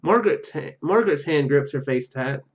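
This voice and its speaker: A man's voice: a little high, animated, fairly quick, highs cut off. A man hosting a gaming video, reading game narration aloud with casual commentary and stumbling over words as he goes. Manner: stumbles and self-corrects while reading.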